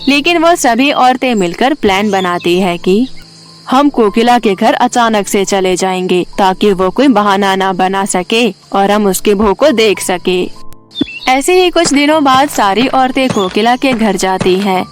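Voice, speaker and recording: A woman narrating a cartoon story in a plain, steady way. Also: medium pitch, measured pace, soft background music.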